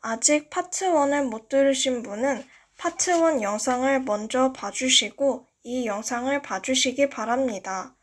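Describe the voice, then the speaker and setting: A high-pitched woman reads a story aloud at an unhurried pace. She is an amateur narrator who takes care over each sentence. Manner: slow, careful reading with stumbles. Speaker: amateur audiobook reader. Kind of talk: reading a novel aloud.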